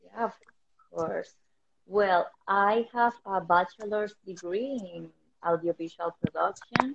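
Speaking very slowly with a Spanish accent, a woman leaves long, frequent pauses and makes big swings in loudness, using ordinary pitch variation over light background noise. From Dominican Republic. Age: 20s. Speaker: beauty pageant winner; interviewee. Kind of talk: live-stream interview. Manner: halting. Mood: friendly, smiling. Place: home room. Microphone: video call.

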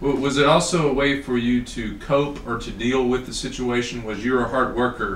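There is noticeable background noise as a man speaks at a medium pitch with fairly even intonation. He keeps a moderate pace with hardly any pauses. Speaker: oral historian interviewer. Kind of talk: interview question.

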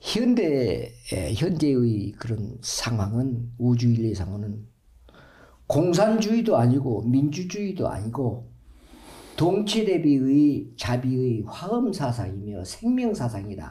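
A man speaks at a very slow pace in a dark, mellow tone that is somewhat breathy. His pitch swings very widely. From South Korea. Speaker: Buddhist monk. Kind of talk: interfaith dialogue. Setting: studio. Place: studio. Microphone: lapel.

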